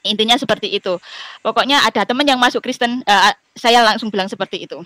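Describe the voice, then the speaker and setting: A woman's voice: fairly high pitch, fast, bright, forceful tone, no echo. A woman with a Javanese accent giving a personal testimony on a video call, telling her story in a chatty way with many fillers.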